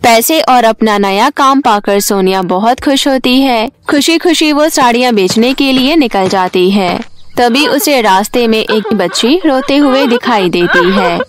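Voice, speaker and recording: A woman's voice: a little high, expressive, a little slow. A woman narrating a children's bedtime fairytale from a script, as the storyteller.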